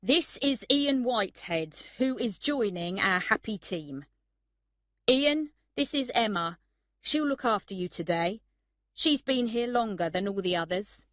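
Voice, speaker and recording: A woman's voice: mid-range voice, lively intonation, unhurried, a bit bright, no echo, clean studio sound, voice pushed up. A woman reading the lines of a male restaurant manager who announces the day's dishes to his staff in a raised, announcing voice. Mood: upbeat.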